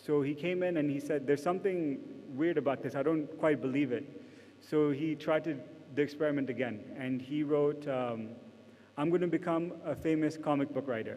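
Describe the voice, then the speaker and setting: With an American accent, a man speaks in a dark, mellow tone, fairly high in pitch, his intonation fairly even. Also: moderate pace. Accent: American-sounding despite Indian upbringing. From India, Delhi. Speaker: entrepreneur, company founder. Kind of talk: conference talk. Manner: conversational with fillers.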